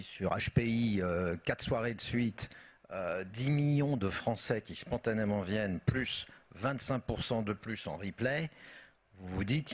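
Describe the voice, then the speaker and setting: Brief: male executive panelist, husky tone, measured and steady. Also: fairly low pitch. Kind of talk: panel discussion. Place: auditorium stage.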